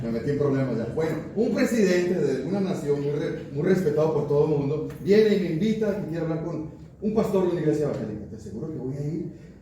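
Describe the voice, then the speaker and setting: A male pastor preaches in a chatty way, tossing rhetorical questions at the congregation. His voice is dark and mellow, picked up from a distance in a heavily echoing church. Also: on the high side, slight background noise. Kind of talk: sermon. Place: church hall. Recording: far-off mic in an echoey church.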